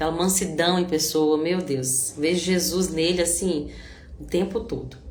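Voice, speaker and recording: A woman speaks in an animated tone at a moderate pace, with audible room echo and noticeable background noise. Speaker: Bible teacher. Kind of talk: Bible study livestream.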